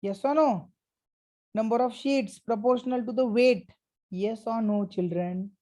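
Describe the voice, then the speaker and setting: Mellow South Asian woman teaching maths. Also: on the high side, a little slow. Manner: stern, prodding, repeatedly checks for answers. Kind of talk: interactive maths lesson.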